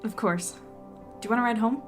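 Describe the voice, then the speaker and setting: A woman acting a curious young newspaper editor in an audio drama, chatty and wry, often thinking out loud. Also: a little high, fairly quick, soft background music, natural voice. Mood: startled. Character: curious, plucky young female newspaper editor, self-deprecating. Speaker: lead actor and narrator. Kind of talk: audio drama acting with first-person narration.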